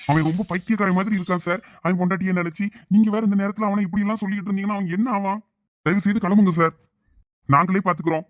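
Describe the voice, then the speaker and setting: A man voicing a cartoon character with a Thoothukudi Tamil accent, pleading and hurried. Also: sits high, fairly even intonation, no echo, clean studio sound. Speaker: narrator and voice of all male characters. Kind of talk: cartoon voice acting.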